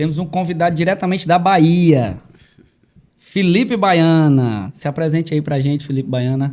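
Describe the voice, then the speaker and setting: Ordinary pitch variation and a moderate pace shape a plain, everyday voice. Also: man, fairly high pitch for a man. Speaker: podcast host. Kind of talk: casual interview.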